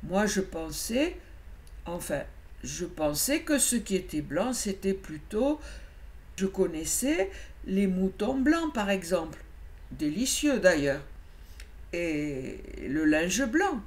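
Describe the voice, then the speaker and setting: A woman's voice: mid-range voice, very animated, takes it slowly, a little mellow. A woman voicing a young male black wolf in a storybook reading, jumpy and rambling in his talk. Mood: chatty.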